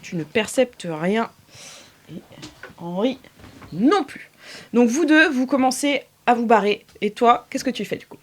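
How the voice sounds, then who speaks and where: A woman's voice: fairly high pitch, expressive, a little slow, long pauses. Hesitant woman running a tabletop game. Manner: hesitant, many fillers, laughs often. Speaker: game master. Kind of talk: narrating an improvised tabletop game.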